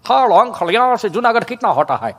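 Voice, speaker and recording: A man's voice: high-pitched, very animated, quick pace, fairly bright tone, full character voice. A man voicing a polite European tourist who asks directions in broken, formal Hindi mixed with English words.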